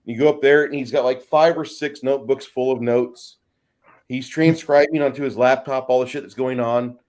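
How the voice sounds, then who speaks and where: A middle-aged man talks casually, like a co-host on a hobby gaming show. He rambles through anecdotes and swears freely, in a voice of ordinary male pitch. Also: fairly even intonation, moderate pace, darkish tone. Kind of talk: casual chat.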